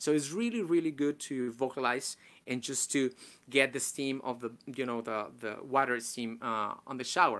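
A man speaks at a moderate pace with a Spanish accent. His tone is bright and sharp, with ordinary pitch variation. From Mexico, Monterrey; Nuevo León, Mexico. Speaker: singer-songwriter; guest. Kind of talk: interview; interview answer. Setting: video call. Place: home room.

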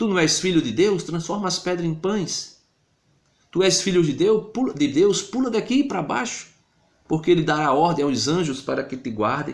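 A man with a Brazilian accent talks at a moderate pace in a high pitch for a man. His tone is solemn, yet his intonation is lively. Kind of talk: preacher exhortation. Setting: video channel, addressing viewers directly. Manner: fervent, earnest pleading, urging listeners to keep their eyes on Jesus; solemn, formal devotional tone with rhetorical repetition. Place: home room. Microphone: phone near.

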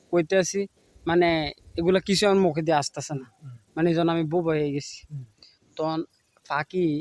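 The sound is dry and close, with no echo. The intonation stays fairly even. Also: man, high pitch for a man. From Bangladesh, Cumilla (Lalmai hills). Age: 20s. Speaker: truck driver. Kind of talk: street interview, storytelling. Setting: outdoors.

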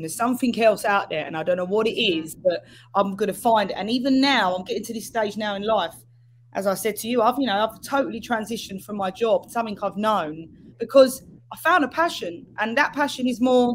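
With a London accent, a woman speaks fairly quickly in a fairly high voice with ordinary pitch variation over light background noise. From London, England. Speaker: mindset and business coach. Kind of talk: podcast interview. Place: home room. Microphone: webcam.

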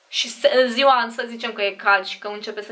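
A woman at a moderate pace. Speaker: vlogger. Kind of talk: casual vlog chat. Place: home room. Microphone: camera far.

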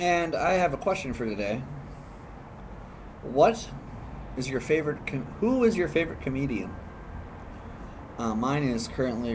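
Over noticeable background noise, a man speaks at a moderate pace, with long, frequent pauses. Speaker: vlogger. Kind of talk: casual vlog chat. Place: home room. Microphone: webcam.

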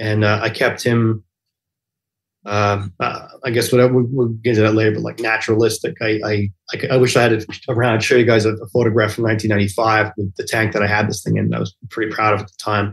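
Against a quiet background, a man talks fairly quickly at a fairly low pitch, somewhat breathy, with big swings in loudness. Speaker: amphibian podcaster and hobbyist keeper. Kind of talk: casual interview conversation. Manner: animated when passionate. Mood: relaxed, nostalgic. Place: home room. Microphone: video call.

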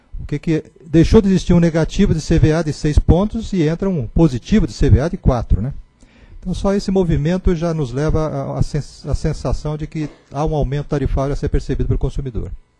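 Music plays in the background. Over it, a man speaks in a fairly high pitch. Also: ordinary pitch variation, moderate pace. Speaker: regulatory agency technical staff. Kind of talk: public regulatory hearing. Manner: halting.

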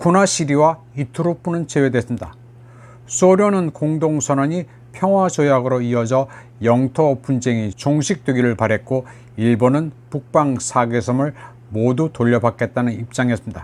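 Against a quiet background, a man uses a plain, everyday voice at a medium pitch, keeping very even loudness, ordinary pitch variation and a moderate pace. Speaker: news commentary channel host. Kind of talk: scripted narration. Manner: formal.

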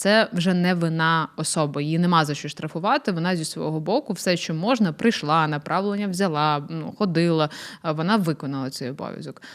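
A woman with an unremarkable speaking voice talks at a moderate pace in a fairly low pitch, recorded very cleanly against a silent background. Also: ordinary pitch variation. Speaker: lawyer. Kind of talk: studio interview explaining legal matters. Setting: studio.

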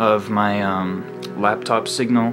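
A man's voice with fairly even intonation over faint background music. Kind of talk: casual gear rundown. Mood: relaxed, slightly amused. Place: home room. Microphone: phone near.

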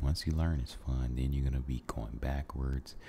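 A man speaks fairly slowly in a very deep, low voice that is somewhat breathy, with a dark, mellow tone and flat, monotone intonation over light background noise. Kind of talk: soft ASMR-style casual chat. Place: home room. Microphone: studio mic.

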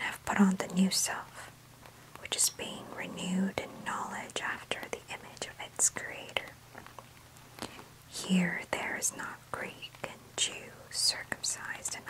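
Whispering at a fairly slow pace, broken by long, frequent pauses. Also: woman. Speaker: ASMR Bible reader. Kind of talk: Bible reading, ASMR. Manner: whispered, soft-spoken. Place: home room.

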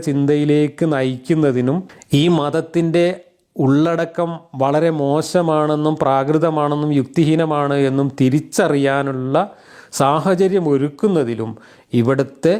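A man with an unremarkable speaking voice and a fairly high pitch speaks with fairly even intonation and very even loudness. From Kerala, India. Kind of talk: video monologue.

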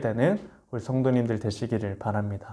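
A man's voice with audible room echo. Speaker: assistant pastor teaching a Bible class. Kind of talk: lecture. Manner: formal.

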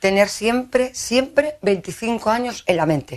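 The background stays quiet. A woman's pitch swings very widely as she talks. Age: 70s. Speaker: nightlife public relations and party organiser. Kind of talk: interview answer. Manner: lively, energetic.

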